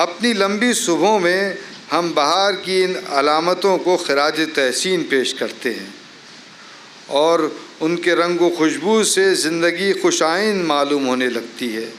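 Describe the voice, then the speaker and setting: A man's voice: a little high, racing, a bit bright, close to an everyday voice. A man giving an eloquent dramatic reading as an affectionate, reflective prisoner writing letters to his wife. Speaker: dramatic reader. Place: outdoor garden festival stage. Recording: live outdoor festival, faint background noise.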